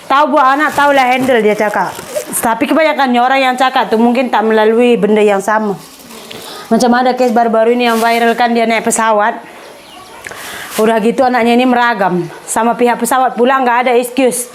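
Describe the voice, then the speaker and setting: Woman vlogger, casual chat, slightly high voice, faint noise behind. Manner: chatty, mixes in English words.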